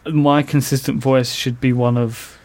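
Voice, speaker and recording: A man's voice: medium pitch, flat delivery, moderate pace, a little mellow. A man with a London accent, dropping T's and H's with glottal stops and slightly slurred consonants, chatting casually as a podcast host.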